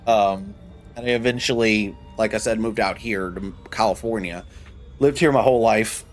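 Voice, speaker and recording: With a fairly low voice at a moderate pace, this thirtysomething man from Michigan streams a game and casually talks to his viewers over soft background music. His talk rambles and keeps restarting as he responds to chat.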